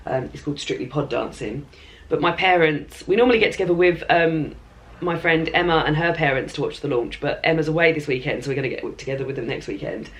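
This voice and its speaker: A hoarse woman with a chesty cough, chatting casually to camera in a rambling reading vlog from her bed at home, with plenty of ums and throat clearing. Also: low-pitched, fast, few pauses. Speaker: book vlogger.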